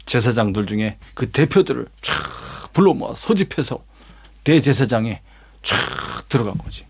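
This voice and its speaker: A male pastor with a husky, mid-range voice, lively intonation and normal pace tells a Bible story as a lesson. He's dramatic, using vivid sound words and rhetorical questions, and acts out the quoted lines himself.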